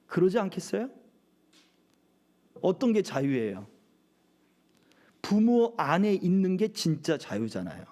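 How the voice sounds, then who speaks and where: Middle-aged guy pastor preaching, high voice that swoops up and down a lot, keeps asking the crowd questions. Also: very animated, measured pace, pauses often, warm tone. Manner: asks the congregation rhetorical questions. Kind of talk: sermon. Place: church service.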